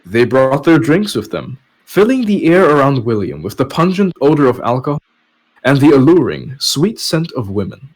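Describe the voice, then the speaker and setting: Male podcast narrator for web fiction, mid-pitched with lively, swinging intonation. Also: normal speed, rough recording. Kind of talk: story narration with casual asides.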